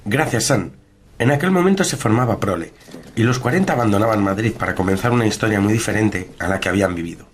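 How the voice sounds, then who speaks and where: A man's voice: fairly low pitch, lively intonation, fast talker, faint music behind, lightly acted. A man playing a chronicler who tells a post-apocalyptic saga in formal, scripted radio drama narration. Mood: solemn recounting.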